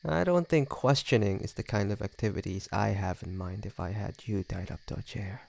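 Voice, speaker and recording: Man voicing a smug, creaky low-voiced flirty vampire. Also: brisk, a little mellow. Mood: flirty teasing. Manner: teasing, smug, sardonic. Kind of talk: scripted audio roleplay addressed to the listener.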